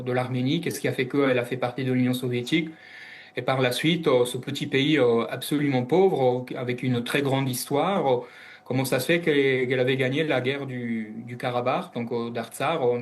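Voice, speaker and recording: Man from italy, interview guest, hesitant, lots of fillers, mid pitch. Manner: hesitant, many fillers and restarts. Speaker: guest analyst. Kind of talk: interview answers.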